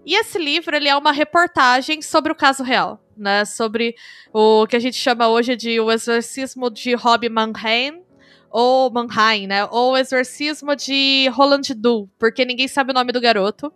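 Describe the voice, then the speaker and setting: A woman's voice: fairly high pitch, normal speed, fairly bright tone, clear, resonant tone, no echo, faint music behind. A Brazilian woman hosting a podcast, chatting in an enthusiastic, explanatory way. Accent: Brazilian Portuguese. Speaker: podcast host. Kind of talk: casual podcast chat.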